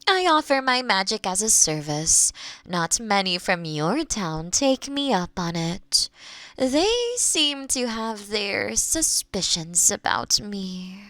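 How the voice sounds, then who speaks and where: In a roleplay audio drama, a woman voices a kind, playful young witch who lives alone in the forest. She addresses the listener gently and teasingly at an unhurried pace with soft chuckles, in a medium-pitched voice with no echo.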